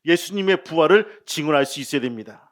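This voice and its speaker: A male pastor delivers a Sunday sermon in a somewhat high voice. He quizzes and teases his congregation, and he alternates booming emphasis with soft asides. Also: animated, fast. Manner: asks the congregation questions and jokes with them; swings between loud emphasis and quiet asides.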